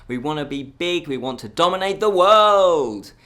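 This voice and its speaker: A man's voice: on the high side, animated, normal speed, bright, forceful tone. A man presenting an informal news show from a script, ad-libbing with self-deprecating jokes and tripping over words.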